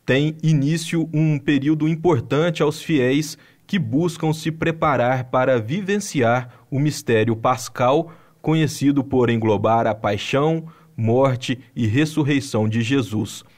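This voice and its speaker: A man with a Brazilian Portuguese accent reading a scripted news voice-over in an even, measured way. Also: medium pitch. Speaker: news narrator.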